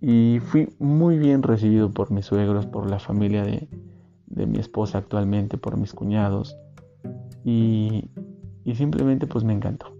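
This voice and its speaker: A man's voice: fairly low pitch, unhurried, vocal fry. A man, telling a personal testimony in an earnest, rambling, reflective way. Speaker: storyteller. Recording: dull recording with faint guitar music.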